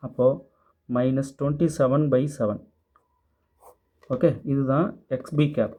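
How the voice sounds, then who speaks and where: Mellow-voiced man teaching math step by step. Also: medium pitch. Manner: methodical, step-by-step, mixes English terms into Tamil; answers students' doubts in a patient tone. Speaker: maths teacher. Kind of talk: explaining worked problems in class.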